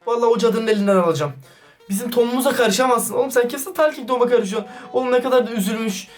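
A man doing excited, casual vlog commentary, slangy and talking straight to his viewers. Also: very high-pitched, very fast. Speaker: YouTuber reacting to a chat. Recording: distant mic with background music.

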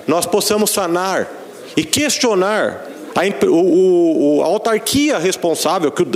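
A man, a city councillor, making a floor speech with hesitations and restarts. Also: sits high. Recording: reverberant council chamber.

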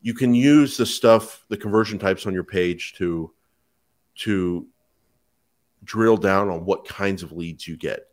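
Male podcast co-host, thirties, low-pitched voice, explanatory and conversational. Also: slow pace. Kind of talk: conversational explanation of online advertising. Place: home kitchen, indoors.

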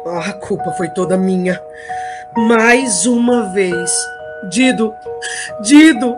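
A woman's voice: mid-range voice, slow, close to an everyday voice. A woman playing an emotional, pleading Trojan king in an audio drama. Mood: anguished. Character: Aeneas, anguished heroic Trojan king, adult man. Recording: loud background music.

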